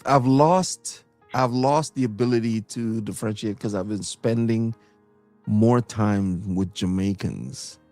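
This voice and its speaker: A middle-aged man from Trinidad with a Trinidadian accent, chatting casually as co-host, animated and quick to laugh, with plenty of fillers and restarts. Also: fairly low pitch, dry recording, faint music behind. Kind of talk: casual chat.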